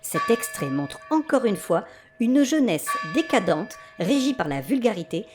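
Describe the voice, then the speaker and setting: Woman playing a prudish devout churchgoer, formal and disapproving, lively high voice. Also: unhurried, music in the background. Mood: prim disapproval. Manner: formal, prudish and stiffly polite.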